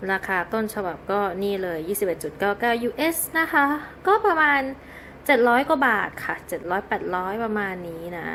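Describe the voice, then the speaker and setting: A woman's voice: medium pitch, slight background noise. A woman hosting her own tarot channel, reviewing a card deck in a casual, chatty and polite way. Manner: chatty and polite, with soft polite endings and small laughs.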